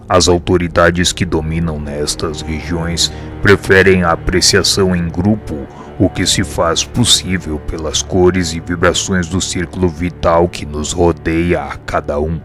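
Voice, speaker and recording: An actor playing a calm, wise spirit mentor in a radio drama, speaking formal, measured, didactic Brazilian Portuguese. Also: male voice, deep voice. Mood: calm, instructive. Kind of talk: scripted radio drama acting. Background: background music.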